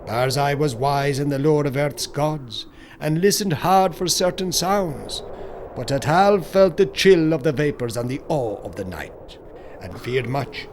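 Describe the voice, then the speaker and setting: A man's voice: a little high, a little slow, a little mellow, slight background noise. A man narrating a scripted horror audiobook in a solemn, theatrical storytelling manner.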